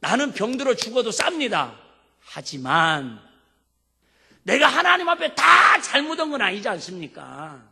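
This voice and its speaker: A man preaching, acting out a dying king who pleads loudly with God. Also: very high-pitched, sing-song, unhurried, vocal fry, slightly rough, pitched above the performer's own voice, full character voice. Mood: pleading. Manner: loud pleading, shouting. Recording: long hall reverb.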